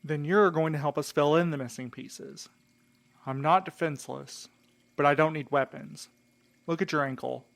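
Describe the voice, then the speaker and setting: A man's voice: on the high side, fairly even intonation, moderate pace, vocal fry, a bit bright. An actor playing a hot-tempered, heartbroken man in an audio drama, blunt and exasperated in his delivery. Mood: threatening. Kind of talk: scripted audio drama acting.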